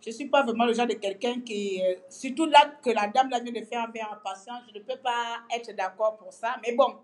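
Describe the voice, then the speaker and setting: Gabonese woman, slightly high voice, mocking, lively home vlog rant. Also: normal speed. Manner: mocking, animated, breaks into song. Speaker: vlogger. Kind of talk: casual political rant.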